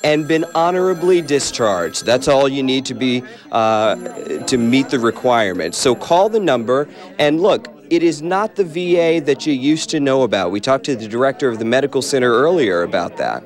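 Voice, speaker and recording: A man's voice: medium pitch, lively intonation, moderate pace, hardly any pauses. Guy doing a live tv field report, urging folks to keep calling.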